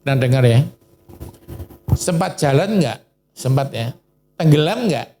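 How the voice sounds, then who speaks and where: A man preaching to a congregation at a middle pitch. He talks in a lively, questioning way, drawing answers from the listeners. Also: unhurried, a little hiss or hum. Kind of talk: sermon.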